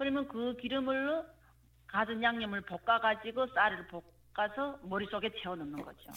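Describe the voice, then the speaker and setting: A North Korean accent at a moderate pace. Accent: North Korean dialect, still spoken. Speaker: chef, North Korean defector. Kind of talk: interview.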